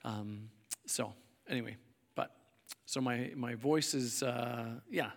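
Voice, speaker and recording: A middle-aged man from Canada, a pastor with a hoarse voice, preaching a sermon in a casual, rambling way with many fillers and restarts. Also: medium pitch, slow. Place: church hall. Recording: long hall reverb.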